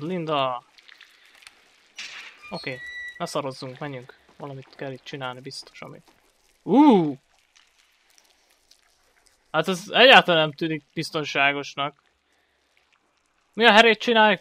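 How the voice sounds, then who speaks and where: A man commentating his horror game playthrough, excitable, swearing often and yelling when startled. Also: on the high side, pauses often, no echo. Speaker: gameplay commentator. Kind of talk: horror let's play commentary.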